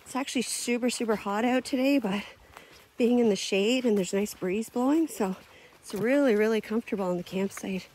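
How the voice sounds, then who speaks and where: A woman's voice: fairly high pitch, a little fast, a little mellow, a little hiss or hum, low-quality recording. A woman giving a casual, chatty camping vlog tour outdoors, with easy laughs and lots of fillers. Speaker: camping vlogger. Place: outdoors at a lakeside forest campsite.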